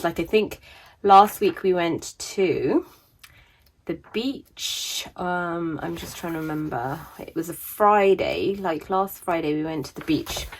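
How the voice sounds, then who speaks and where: A woman in her thirties chatting casually about her planners, meandering with many fillers, her voice slightly raspy from a sore throat coming on. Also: sits low, a little hiss or hum. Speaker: planner vlogger. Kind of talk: casual chat.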